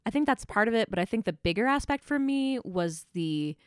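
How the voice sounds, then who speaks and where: A woman co-hosting a casual book podcast, thoughtful and often pausing to find the right words. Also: on the high side, lively intonation, smooth, dry recording, studio quality. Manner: thoughtful, searching for words, self-correcting.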